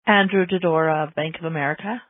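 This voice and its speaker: A man's voice: fairly high pitch, fast talker, no room sound. A man acting as conference call operator, making formal announcements to introduce the next caller. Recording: narrow dry phone line.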